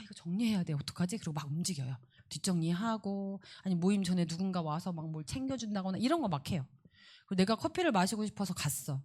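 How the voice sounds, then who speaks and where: A middle-aged woman giving a parent education lecture, animated and acting out children's voices as she explains. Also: medium pitch.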